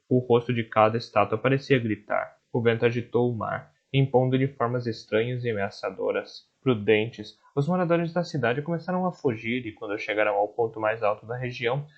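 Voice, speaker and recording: A man narrating an audiobook chapter in a steady storytelling manner. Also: mid-range voice, dull audio.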